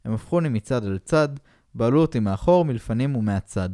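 Deadpan man reading a pulp novel aloud. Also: mid-range voice, no echo, studio quality. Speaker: podcast co-host reading aloud.

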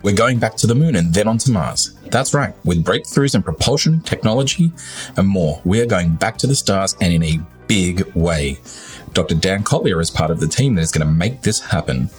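A man's voice: low-pitched, animated, moderate pace, husky, faint music behind. A man co-hosting a podcast, reading a scripted introduction in an upbeat, announcer-like way. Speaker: podcast co-host.

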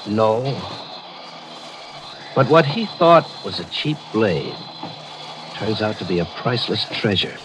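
A man's voice: on the low side, very animated, slow, long pauses. A man playing a brooding, haunted husband in a 1940s radio drama, speaking in a pensive, ominous way. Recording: noisy vintage radio recording.

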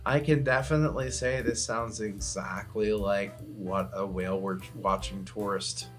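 A man's voice: lowish voice, steady tone, unhurried, soft background music. A man on a podcast, making casual comic banter in a mock-formal, wisecracking way. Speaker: podcast co-host or guest.

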